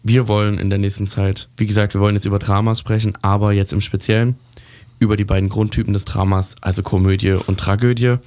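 A man's voice: lowish voice, flat delivery, quick pace, a little mellow, no room sound. A man hosting a casual radio talk show, rambling and correcting himself as he chats about literature, laughing often. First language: German.

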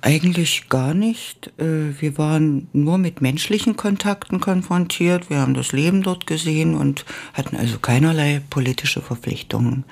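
An older woman from East Germany, a former Russian teacher, recalling her past slowly and with many hesitations in an interview. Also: low voice, vocal fry, a little mellow. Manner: slow and reminiscent, with frequent hesitations. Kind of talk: oral history interview.

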